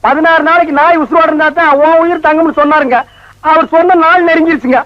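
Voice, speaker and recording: A man's voice: extremely high pitch, fairly even intonation, fast, no echo. A man playing a comic villager, talking in a deferential, polite way. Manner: deferential, ends lines with polite -nga. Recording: dull dry lo-fi film soundtrack.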